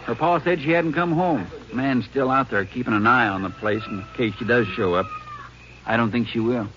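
A forthright small-town sheriff acted by a man speaks in a folksy, plain way at a middling pitch. It is radio western acting from the 1950s, heard through a muffled and noisy old recording. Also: normal speed, fairly bright tone, lightly acted. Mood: matter-of-fact.

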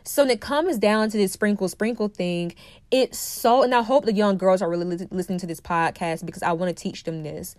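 A woman's voice: mid-range voice, fairly quick, a little mellow, dry recording. Congested woman, podcast host, preachy emphatic monologue, dry close sound. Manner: emphatic, preachy, repeats key phrases. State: congested from a cold. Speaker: podcast host and dating coach. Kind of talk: opinionated solo podcast monologue.

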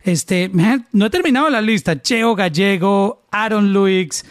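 A man's voice: high-pitched, measured pace, no room sound, clean studio sound. A Colombian man hosting a casual interview, chatty and joking about his own pronunciation. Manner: chatty, reads out a long list of names, jokes about his pronunciation. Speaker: interview host.

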